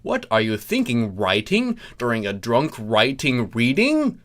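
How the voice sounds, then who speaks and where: Casting: comic story reader, animated pitch, theatrical and mock-pompous, slips into dry asides to the listener. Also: a little slow. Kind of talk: comic dramatic fan fiction reading with asides.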